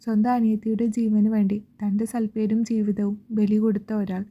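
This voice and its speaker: Dark-toned woman reading a romance story. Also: medium pitch, level tone, brisk, highs cut off.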